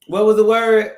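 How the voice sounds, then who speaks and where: A woman co-host telling a story in a casual, animated way, laughing often and restarting her sentences. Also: medium pitch, roomy sound, a little hiss or hum. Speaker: podcast co-host.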